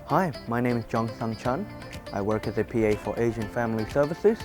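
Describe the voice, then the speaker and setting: A man recalling things slowly and thoughtfully in a documentary interview. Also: mid-range voice, animated. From New Zealand. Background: faint background music.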